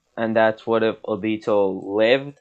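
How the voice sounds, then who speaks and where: A man talks at medium pitch and a moderate pace. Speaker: fan-fiction YouTuber. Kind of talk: unscripted storytelling. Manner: casual, informal.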